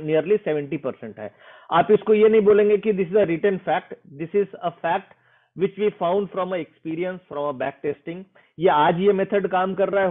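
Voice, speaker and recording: A man explaining a trading method in an interview, earnest and persuasive, slipping English phrases into his speech. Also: a little high. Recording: tinny phone-like sound.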